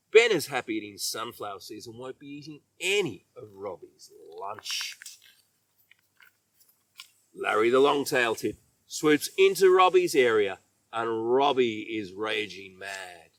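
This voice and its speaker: A man reading a children's story with expressive, emphatic delivery, letting his phrase endings trail off. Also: medium pitch, a little slow, no room sound, distant mic. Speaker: children's author reading own book.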